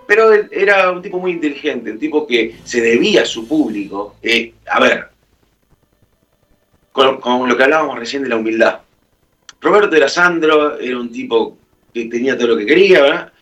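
A man's voice: mid-range voice, lively intonation, moderate pace, a bit bright, distant mic, faint music behind. A man with a Rioplatense Spanish accent, a guest musician in an interview, telling a heartfelt story and acting out the dialogue. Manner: heartfelt, acts out quoted dialogue.

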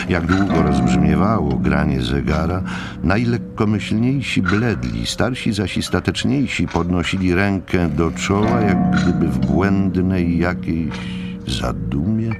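A man giving a dramatic literary narration for an audiobook, solemn and measured. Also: a bass voice, creaky.

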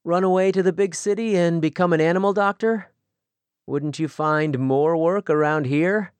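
A male audiobook narrator voicing a steady, even-tempered young Amish farmer who speaks gently. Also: a little high, normal speed, smooth, no room sound, voice pushed up, close to an everyday voice. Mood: calm.

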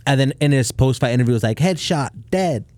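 A man's voice: medium pitch, steady tone, racing, darkish tone, no echo. Laid-back young man, dry close sound. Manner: laid-back, heavy use of "like" and "dude". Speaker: podcast co-host. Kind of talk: casual chat.

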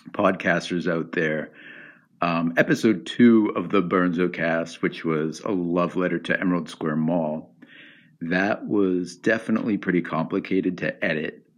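A man with a deep voice hosting a casual solo podcast, rambling with ums and restarts, recorded on an iPod's built-in microphone at home. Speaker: podcast host. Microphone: iPod built-in microphone.

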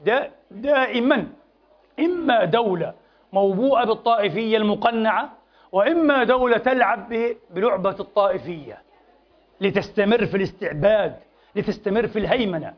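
Fiery male preacher, high voice, rapid emphatic delivery, dull lo-fi mosque recording. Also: animated. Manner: impassioned, emphatic, repetitive rhetoric. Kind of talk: Friday sermon.

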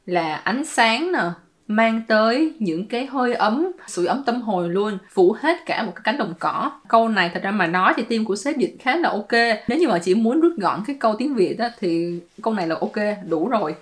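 A woman, talking at an ordinary mid pitch. She explains translations in a loose, chatty way, mixing in English terms as she goes. Her tone stays playful and conversational, like a vlogger talking to her regular viewers. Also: expressive, a little fast. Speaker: YouTuber translating song lyrics. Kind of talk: casual explanatory commentary.

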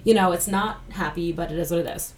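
A woman's voice: lowish voice, fast talker. A woman with a nasal voice co-hosting a podcast in candid, casual chat. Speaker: podcast co-host.

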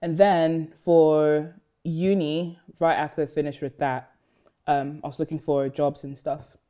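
A young Ghanaian woman, a guest on a podcast, talks casually in a low, unhurried voice whose high frequencies are cut off. She rambles in a relaxed way, leaning heavily on "like" and "um" throughout the interview chat.

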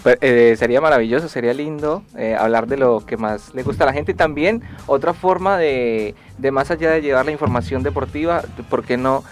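A young man, a sports journalist, guesting on a radio show and talking with polite, hesitant pauses and restarts. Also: medium pitch, faint music behind. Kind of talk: radio studio chat.

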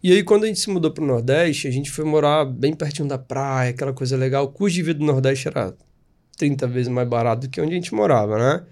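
A man's voice: mid-range voice, fast talker. A man in his thirties from Espírito Santo with a Brazilian Portuguese accent, a podcast guest talking casually and animatedly about his life. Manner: animated, chatty, frequent tag questions. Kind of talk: casual storytelling interview.

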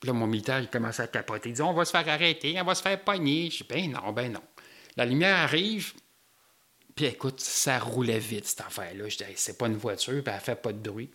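A man's voice: medium pitch, brisk. Québécois man telling a wild story. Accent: Québécois French. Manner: animated storytelling with Quebec slang.

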